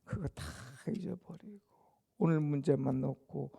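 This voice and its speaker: Pastor with a gravelly voice, dark tone. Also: male voice, on the high side, unhurried. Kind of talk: dawn prayer sermon. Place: church sanctuary.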